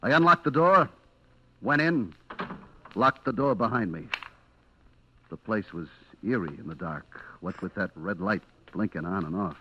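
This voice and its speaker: A man's voice: lowish voice, expressive, measured pace, pauses often, muffled recording, slight background noise. An actor playing a nervous, cornered man who tells his own story in clipped, confessional old-time radio suspense style. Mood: uneasy. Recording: vintage radio recording with music behind.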